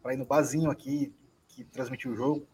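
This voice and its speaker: A man's voice: medium pitch, fairly even intonation, brisk, a little mellow, a little hiss or hum. A man, a co-host telling a story in casual chat.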